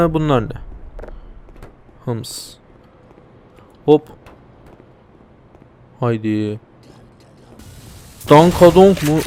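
A man's voice: medium pitch, darkish tone. Young guy doing let's play commentary, jokey, chats at the game chars, faint hiss behind. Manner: joking, talks back to game characters and viewers. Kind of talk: casual gameplay commentary.

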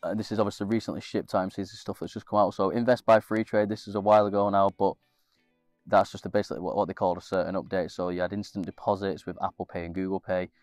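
A man's voice: deep voice, level tone, fast, a little mellow, no room sound, clean studio sound, faint music behind. A young man with a slightly nasal voice from a cold, casually walking viewers through an app on screen with many fillers and restarts. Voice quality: a bit nasal. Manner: rambling, lots of fillers and restarts. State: congested with a cold. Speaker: investing channel host. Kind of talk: casual screen-share walkthrough.

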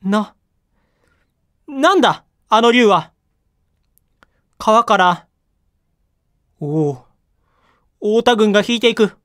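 A man's voice: high-pitched, lively intonation, takes it slowly, long pauses, a bit bright, exaggerated voice. A man playing an anguished samurai lord in a period voice drama, with theatrical, archaic warrior speech. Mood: awestruck. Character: anguished samurai lord watching his castle fall.

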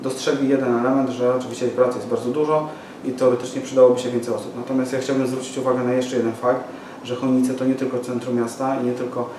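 Man, 40s, halting press statement, flat delivery, roomy distant recording. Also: medium pitch. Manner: hesitant, many fillers and restarts. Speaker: local party activist at press conference. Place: small office room with window. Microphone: far camera mic. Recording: echoey room from far off, noisy.

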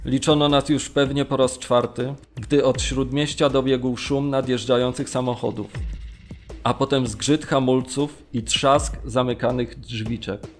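A man acting a sombre Polish camp survivor recounting his memories in a measured audio drama reading. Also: medium pitch, steady tone, soft background music, natural voice. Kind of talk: dramatised documentary memoir reading.

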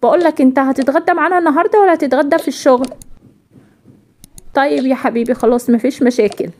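A woman's voice: high voice, fast talker, darkish tone, close to an everyday voice. A woman voicing a patient, affectionate mother with an Egyptian accent. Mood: soothing. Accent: Egyptian Arabic. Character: gentle caring mother of a young girl.

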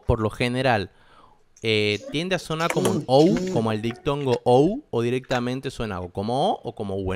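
A man's voice: medium pitch, clean tone. A young Argentine man teaching English in a classroom, explaining step by step and checking that students follow. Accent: Argentine Spanish. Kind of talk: classroom lesson.

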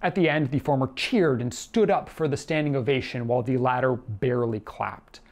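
Man, thirties, mid-pitched voice, arguing with himself, opinionated, emphatic, conversational reviewer, lapel mic in a small room. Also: normal speed, darkish tone. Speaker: theatre reviewer, host. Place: small indoor room with shelves and TV.

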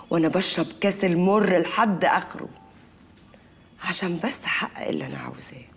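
An actress playing a cold, scheming Egyptian wife who talks in a hushed, menacing way. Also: female voice, on the low side, a little hiss or hum, natural voice. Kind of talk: film drama acting.

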